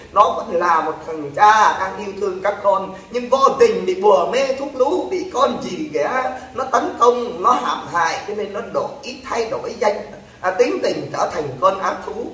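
Man playing a wailing mother, pleading sing-song, high voice, roomy off-mic sound. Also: animated, normal speed, bright, forceful tone, distant mic, a little hiss or hum. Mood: wailing plea. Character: wailing mother begging forgiveness, melodramatic.

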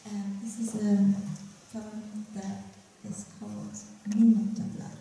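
A young woman poet giving a reading at a lectern on a dark stage, chatty and giggly between her poems and measured as she reads them. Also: medium pitch, level tone, slight background noise. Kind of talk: poetry reading. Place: dark stage at a festival event. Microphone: stand mic at a lectern. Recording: roomy hall, mic from a distance.

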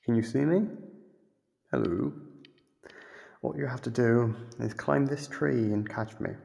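A man voicing a playful, smug predatory monster that toys with its prey, with teasing, drawn-out phrasing in an ASMR roleplay. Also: on the low side, gravelly, husky, full character voice. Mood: coaxing, impatient.

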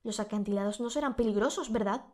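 A woman's voice: on the high side, fast talker, natural voice. A woman voicing an anxious, brusque young husband calling out to his wife. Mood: worried. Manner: urgent, calling out loudly.

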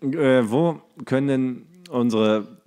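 A man's voice: mid-range voice, slow, mellow, clear, resonant tone. A man co-hosting a podcast in casual comedic chat, tipsy and tired, rambling and jokey as he goes. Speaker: podcast co-host.

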